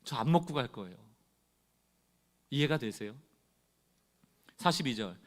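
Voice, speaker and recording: A pastor preaches his Sunday sermon directly to the congregation, acting out quoted complaints in a loud, rising voice. His voice is mid-range and animated, with a measured pace.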